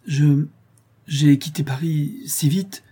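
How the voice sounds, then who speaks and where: A man reading an audiobook aloud, voicing a shy, gentle young woman who speaks hesitantly. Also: mid-range voice, normal speed, husky, close to an everyday voice. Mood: flustered. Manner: timid, hesitant, soft.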